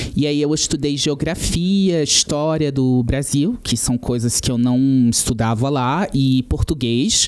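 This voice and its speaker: Noticeable background noise accompanies speech at a fairly slow pace with very even loudness. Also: man, fairly high pitch for a man, ordinary pitch variation. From Lebanon (born in Brazil, raised in Lebanon from age 6). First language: Arabic (speaking Portuguese). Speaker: psychologist and sexologist. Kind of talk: podcast interview. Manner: halting, with fillers and self-corrections.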